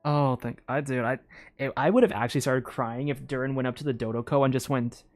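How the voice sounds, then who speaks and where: Casual excitable game streamer; chatty commentary, steady middle pitch. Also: brisk, soft background music. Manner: excitable, chatty, reads game text aloud.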